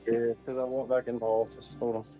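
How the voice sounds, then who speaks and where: Male co-host, middle pitch, robotic glitchy voice line from a distance, rambling chat, faint music behind. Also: little pitch movement, fast, warm tone, highs cut off. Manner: rambling, restarts sentences. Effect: robotic, glitchy online voice connection. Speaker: gamer co-host. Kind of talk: casual gaming chat.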